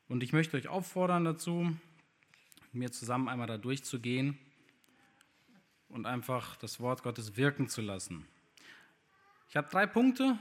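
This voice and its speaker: A man preaching to a congregation in an easygoing, conversational sermon. He often puts questions to his listeners and fills his pauses with little hesitations. His loudness rises and falls in lively swings as he talks. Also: mid-range voice. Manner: conversational, asks the congregation questions, many fillers. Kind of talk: sermon with scripture reading.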